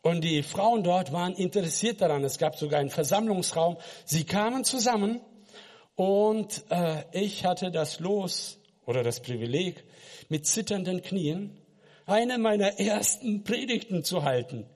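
An earnest man with a fairly high voice gives his personal faith testimony, turning often to the listener with direct questions. His words ring out with a long reverb trailing behind them. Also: expressive, unhurried, a little mellow. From Kazakhstan. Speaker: missionary preacher.

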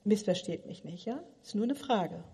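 Middle-aged woman preacher, earnest probing sermon, husky mellow voice, long hall reverb. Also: medium pitch, expressive, normal speed. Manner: earnest, probing questions to listeners.

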